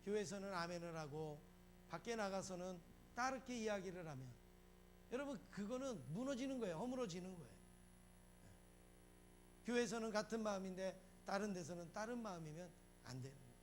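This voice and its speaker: Male pastor, high voice, sermon, repeats for emphasis, faint hum behind. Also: animated, fairly quick. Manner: asks the congregation questions and answers them, repeats phrases for emphasis; acts out quoted lines in a raised voice.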